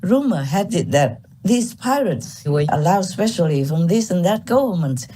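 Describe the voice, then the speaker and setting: A woman from Vietnam, a spiritual teacher, telling a personal story to her disciples in a candid, animated way and laughing often. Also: fairly low pitch, normal speed, slight background noise.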